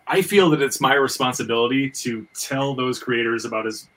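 Male podcast host. Forceful, stammers into his points, swears casually, recorded a little away from the mic. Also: medium pitch, normal speed, distant mic. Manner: emphatic, repetitive stammering, swears freely.

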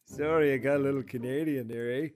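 A man's voice: mid-range voice, steady tone, fast talker, a little mellow. A man voice actor clowning around between lines in a recording session.

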